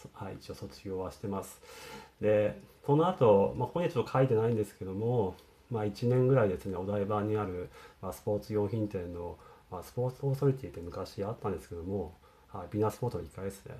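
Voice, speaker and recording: A man's fairly low, dark, mellow, somewhat breathy voice at a very fast pace, with lively intonation and big swings in loudness. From Japan, Chiba (Funabashi). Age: 30s. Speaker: financial analyst. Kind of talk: casual vlog monologue. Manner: hesitant, many fillers.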